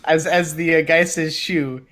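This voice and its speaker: A man's voice: fairly high pitch, fairly even intonation, measured pace, fairly bright tone, a little hiss or hum. A man chatting casually as a player in a tabletop roleplay game, often amused and giggly.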